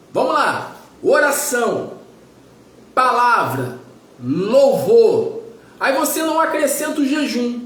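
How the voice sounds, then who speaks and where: A man's voice: high voice, fairly bright tone, echoey room. Emphatic preaching man in his forties. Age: 40s. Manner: emphatic, repetitive preaching with rhetorical questions. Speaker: pastor. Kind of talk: sermon.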